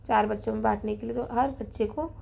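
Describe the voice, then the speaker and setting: A woman teaching a children's math lesson, who explains slowly and patiently, counts items out loud and keeps checking in with her pupils, with a Hindi accent of Rajasthan. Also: a little high, steady tone, creaky.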